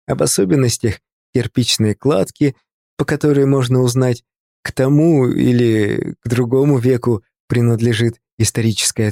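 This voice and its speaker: A man reading a novel aloud as an audiobook narrator, calm and measured. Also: medium pitch, vocal fry, no room sound, clean studio sound.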